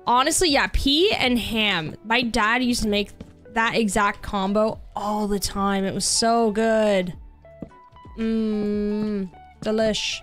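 Over soft background music, a young woman streaming a game chats away with her audience in a bubbly mood, saying her voice is going. Her medium-pitched voice stays steady and unhurried.

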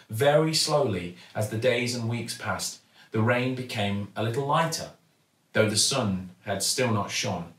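A man's voice: medium pitch, fairly bright tone. A middle-aged man reads a children's story with an actor's expression. He sits a little back from the mic in a roomy-sounding space. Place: living room at home, indoors. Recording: roomy, slightly distant mic.

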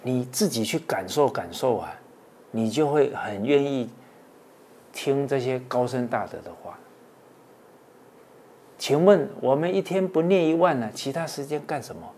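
A man, a Buddhist monk, giving a dharma talk with many drawn-out "ah" and "oh" fillers, earnest and exhorting. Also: mid-range voice, expressive, a little mellow, a little hiss or hum.

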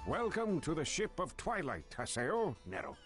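A man voicing a knowing, formal little creature in a video game, husky, with an odd verbal tic. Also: a little high, wildly swooping pitch, normal speed, faint music behind, full character voice. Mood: knowing, mysterious. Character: cryptic welcoming Grunty creature from a twilight ship. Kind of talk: video game character acting.

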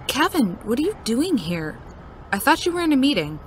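Romance comic girlfriend, female actor: anxious, high, bright and lively, faint street noise. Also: moderate pace. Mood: uneasy. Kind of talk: comic dub acting.

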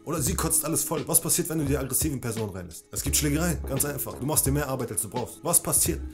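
A man gives a rapid-fire motivational talk, energetic and slangy, speaking straight to the listener. His pitch sits in a middle range, and music plays under his voice throughout. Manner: energetic, slangy, direct address. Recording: background music.

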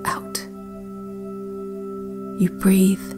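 A woman playing a calm, eerie instructor on a relaxation cassette in an audio drama, giving measured, hushed guided-meditation narration. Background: music.

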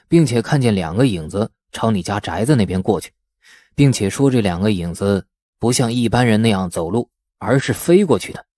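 A male audiobook narrator tells a story in a scripted, dramatic style. His mid-pitched voice moves in lively swings, and the sound is close and dry. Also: dry recording.

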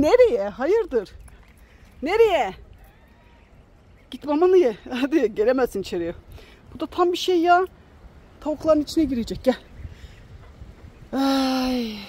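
A woman's voice: a little high, warm tone, breathy edge. A woman vlogger and chicken keeper, chatting casually to her hens and her viewers outdoors in a garden, exclamatory and affectionate. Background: hens clucking nearby.

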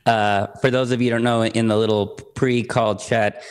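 Animated joking American man. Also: fairly low pitch, normal speed, clean tone. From Berkeley, California. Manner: animated, joking, lively storyteller with playful asides. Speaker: podcast guest, anxiety coach. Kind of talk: casual interview chat.

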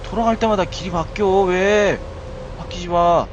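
A man's voice: sits high, a little slow, lo-fi sound, slight background noise. A man giving jumpy, frightened let's-play commentary as he streams a game, pleading and muttering curses under his breath.

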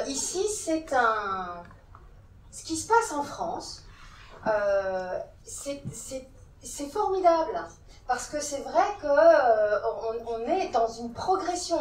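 A woman of Italian origin, a panelist at a round-table discussion, speaking forcefully and urgently into a handheld mic. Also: sits high, a little hiss or hum. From Italy. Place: large conference hall. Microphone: handheld mic, filmed from far. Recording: echoey hall from far off.

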